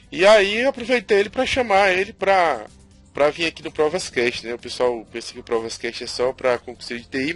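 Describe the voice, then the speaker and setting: A man co-hosting a podcast, chatty and friendly, with a mid-range voice. He keeps dropping in little fillers, and soft music plays faintly behind him. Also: medium pitch. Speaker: podcast co-host. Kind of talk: casual podcast chat.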